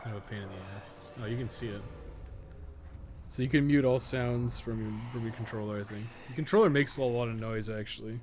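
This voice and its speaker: Male game streamer, mid-pitched, casual and sweary, muttering play-by-play with noticeable background noise. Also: brisk. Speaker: game streamer, podcast host. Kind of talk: casual live gameplay commentary.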